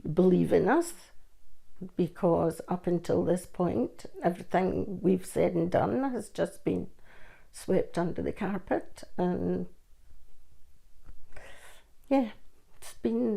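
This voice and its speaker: Slow, creaky-voiced woman. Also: fairly low pitch, warm tone. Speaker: patient campaigner interviewed. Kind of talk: interview answer.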